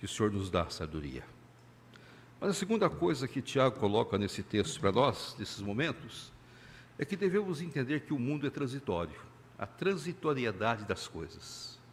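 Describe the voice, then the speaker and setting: A man of medium pitch speaks with vocal fry at a moderate pace. His pitch swings very widely. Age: 70s. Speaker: pastor. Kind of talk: sermon. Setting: church.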